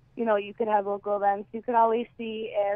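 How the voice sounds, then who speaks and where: A woman's fairly high voice at a fairly quick pace. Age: 20s. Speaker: student government officer. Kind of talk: radio interview.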